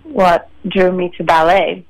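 A woman in her late twenties, from Sweden, a ballet dancer answering interview questions in a measured, soft-spoken way with many pauses. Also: on the low side, steady tone, low-quality recording. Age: 20s. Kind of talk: phone-in radio interview.

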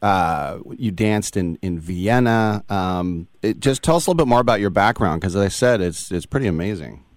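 A man's voice: deep voice, lively intonation, normal speed, hardly any pauses, dry recording. A man hosting a radio show, interviewing a guest in a casual way with frequent restarts. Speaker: sports radio host.

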